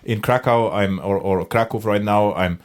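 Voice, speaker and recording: A man's voice: on the low side, moderate pace. Interviewing man with non-native phrasing. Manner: non-native phrasing, frequent backchannel "mm-hmm". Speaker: podcast host. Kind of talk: casual interview questions.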